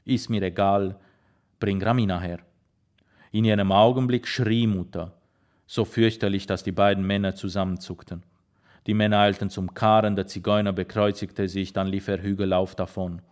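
A man narrating an audiobook in a measured storytelling manner. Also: lowish voice, little pitch movement, a little mellow.

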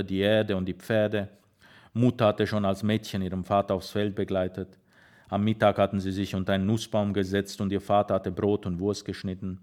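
A man narrating an audiobook in a measured storytelling manner. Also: fairly low pitch, a little mellow.

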